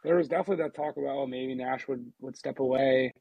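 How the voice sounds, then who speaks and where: A man's voice: medium pitch, fairly even intonation, fast talker, creaky, husky, dry recording, phone-quality sound. A man hosting a casual sports podcast as an NBA reporter, chatty, with many restarts, chewing a sandwich as he talks.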